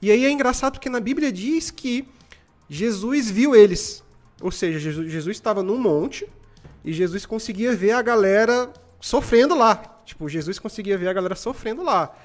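A Brazilian man in his twenties hosting a live stream, telling stories in casual, slangy, animated motivational chat. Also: high-pitched, moderate pace, faint music behind. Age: 20s.

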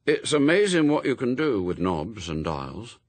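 A man reading aloud as a thoughtful eleven-year-old boy who leads his gang, pitching his voice up. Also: very animated, measured pace, no room sound. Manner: musing, thoughtful.

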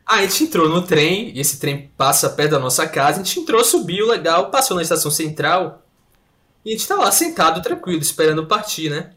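A man's voice: on the high side, brisk. A man, telling mishap stories in a casual chat and laughing along as he goes. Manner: animated anecdote telling, laughing through stories.

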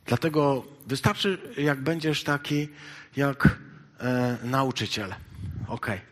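A man preaching a sermon, shifting between loud, emphatic exhortation and quiet, halting asides full of hesitations. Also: mid-range voice. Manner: halting, with many hesitation fillers.

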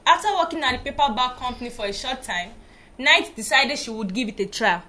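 Nigerian woman radio presenter, bright and emphatic. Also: fairly high pitch, expressive, fairly quick. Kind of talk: reading a scripted children's radio segment. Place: radio studio.

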